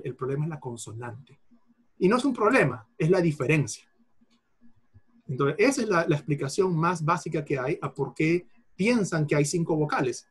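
A man's voice: fairly high pitch, breathy edge. A man lecturing on linguistics in Spanish, explaining with repeated examples and correcting himself mid-phrase. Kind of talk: explanatory lecture answering a participant.

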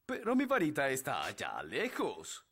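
A man's voice: mid-range voice, wildly swooping pitch, moderate pace, noisy background. A man playing a lazy, pompous fairy king in a children's cartoon dub, with a demanding, self-indulgent and theatrical manner. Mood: wheedling. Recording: music and jingles behind voice.

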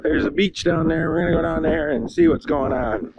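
A man's voice: on the high side, wildly swooping pitch, a little fast, gravelly, loud music behind the voice. A middle-aged man giving rambling, casual commentary as he walks outdoors and points things out. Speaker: vlogger. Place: outdoors on a windy beach. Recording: muffled outdoor recording with loud wind.

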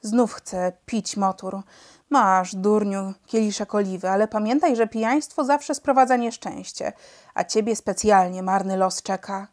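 A woman voicing a calm, wry male pilot who has lost his legs, in a storybook reading. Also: medium pitch, unhurried, natural voice. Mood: soothing, grumbling. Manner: wry, matter-of-fact banter. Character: calm legless male pilot, dry joker.

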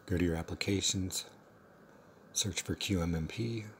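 A man narrating a step-by-step software tutorial in a plain, instructional manner. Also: low voice, normal speed, slight background noise. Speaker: tutorial presenter.

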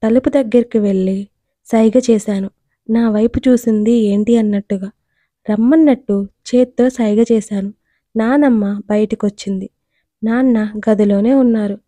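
Dark-voiced woman telling a story. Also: mid-range voice, normal speed, no room sound. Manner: expressive, dramatic. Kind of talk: first-person audio story narration.

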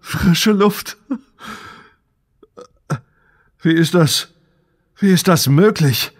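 An actor playing a desperate, awestruck husband in a science fiction audio drama, speaking haltingly and emotionally. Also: male voice, sits high. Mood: bewildered.

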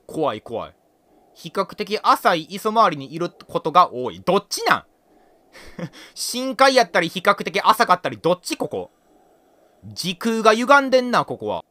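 A young man with a Kansai accent gives casual game commentary. His voice sits high and bright, and it swoops up and down as he exclaims over each new find and laughs easily. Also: no room sound. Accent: Kansai Japanese. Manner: chatty, laughing, exclaiming at discoveries. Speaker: game streamer.

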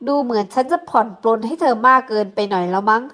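A woman's voice: a little high, fast, fairly bright tone, lightly acted. Woman reads spoiled rich young man, domineering and teasing, storybook lead. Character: rich hot-blooded bossy young man.

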